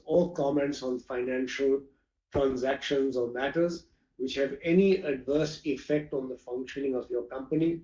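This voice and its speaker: Mellow man, formal, in a roomy space. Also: medium pitch. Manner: measured, formal, reading from prepared text. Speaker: company chairperson. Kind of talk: formal scripted address at a shareholder meeting. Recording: dull, roomy video-conference audio.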